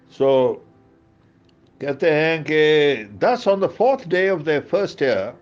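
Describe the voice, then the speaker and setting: A man with a South Asian accent reads a book aloud as a storyteller, theatrical in delivery, with conversational asides. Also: on the high side. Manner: theatrical, hesitant in asides, switches between English and Urdu. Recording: dull lo-fi audio with background music. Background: music.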